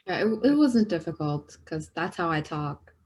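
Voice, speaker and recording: A woman's voice: sits low, expressive, a little slow, darkish tone. A woman, an actress in a casual interview, who talks in a bubbly way and laughs easily.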